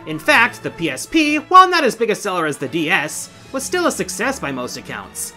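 A man's voice: high-pitched, huge pitch swings, a little fast, bright, forceful tone, faint music behind. A middle-aged man hosting a countdown in scripted video essay narration, with an emphatic, theatrical delivery. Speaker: video game countdown host.

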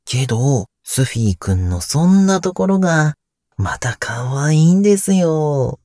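A man's voice: fairly high pitch, very animated, dark tone, no echo, studio quality. A man playing a cheerful, devoted young AI companion in an audio drama, speaking politely with a teasing streak. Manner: polite, teasing, drawn-out calls. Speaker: voice actor. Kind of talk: Japanese audio drama acting.

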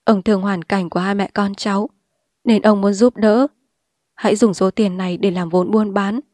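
A woman voicing a remorseful old man who speaks softly, slowly and pleadingly. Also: medium pitch, steady tone, no room sound, clean studio sound, natural voice. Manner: soft, slow and pleading.

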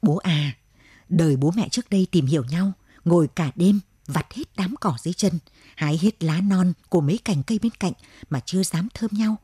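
A young student daughter from a radio storybook, coaxing her father with gentle humor in a warm, lowish voice, as a woman narrator gives her lines. The sound is a little husky and dry. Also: normal speed, no echo.

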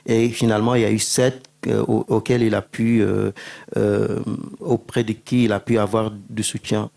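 A man moderating a panel through a handheld mic, halting and stammering as he frames his questions. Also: fairly low pitch, level tone, gravelly, dark tone. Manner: halting, stammering restarts, frequent backchannel. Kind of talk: panel discussion. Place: indoor stage at a public panel.

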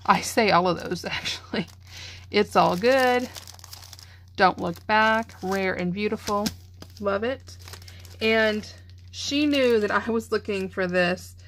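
A woman's voice: medium pitch, a little hiss or hum. Chatty woman, craft vlog. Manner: chatty, enthusiastic, gushing. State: tired, yawning. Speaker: craft channel host. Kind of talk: casual show-and-tell vlog.

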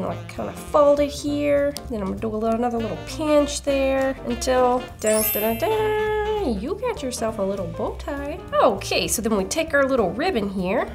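A young woman hosting a children's craft tutorial, bubbly and playful with jokey asides. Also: high voice. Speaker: kids' craft show host.

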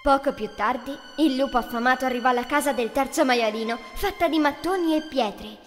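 High-voiced woman telling a fairy tale. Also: fairly quick. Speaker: storyteller. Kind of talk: scripted children's fairy tale narration. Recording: music behind the voice.

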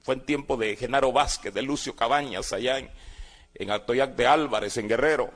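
With a medium pitch and a fairly bright tone, a man in his sixties speaks at a moderate pace in Guatemalan-accented Spanish. As a former guerrilla giving testimony, he performs his story theatrically, acting out the voices of others.

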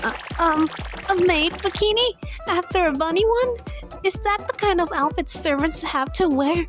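A woman's voice: very high voice, expressive, normal speed, soft background music. A woman voicing an anime game heroine in an amateur comic dub. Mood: timid, flustered.

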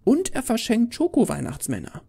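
A defiant little girl in an audio story, as a male narrator acts her out. The voice is lifted high, pert and sceptical. She talks back bluntly and cheekily. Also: wildly swooping pitch, normal speed, vocal fry, dark tone, slightly rough, heavily acted. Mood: cheeky.

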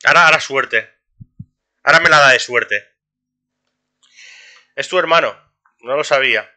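A young man commentates on his game live as a streamer, his voice very bright and cutting at a middling pitch. He grumbles about his luck, swears freely and says the same thing again and again, capping most phrases with "tío". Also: normal speed. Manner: frustrated, complaining, swears a lot; repeats phrases, ends lines with "tío".

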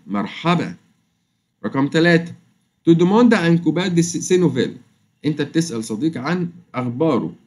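Egyptian man, French teacher, quick talker, lively pitch, stretches out French words. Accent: Egyptian Arabic. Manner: fast, lively explaining, drawls French words out slowly. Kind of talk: online lesson explaining French phrases.

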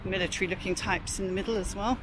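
A woman's voice: mid-range voice, fairly even intonation, fast. A woman narrating a walking tour of a city park in a chatty, informal way, recorded on a camera mic while walking outdoors. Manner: chatty, informal, reads out prices and history. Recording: outdoor street noise with traffic.

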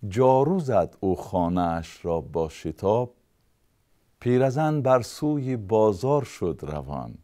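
A man's voice: lowish voice, dark tone. A man with a Tajik accent reciting a long story poem in a chanted, rhythmic way. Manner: chanted, rhythmic, sing-song delivery. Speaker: narrator.

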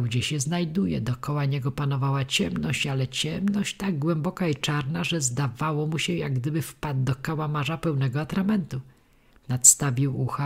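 A woman narrating a children's fairy tale audiobook in a dramatic, expressive way, slowing and speeding for suspense. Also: deep voice, vocal fry, husky. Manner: dramatic, varies tempo for suspense.

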